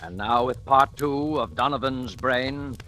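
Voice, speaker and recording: A man's voice: medium pitch, a little slow, pushed and bright. Formal old-radio announcer man. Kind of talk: program introduction. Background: music.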